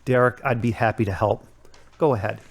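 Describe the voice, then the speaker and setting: A man acting a calm, measured counseling Catholic priest in an audio drama. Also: mid-range voice, natural voice. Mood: calm, advisory.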